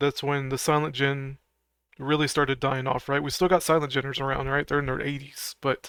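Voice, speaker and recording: Set against a silent background in a very clean recording, the voice has a bright, sharp tone. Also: man. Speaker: video commentator. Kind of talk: reaction video commentary. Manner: deliberately not loud.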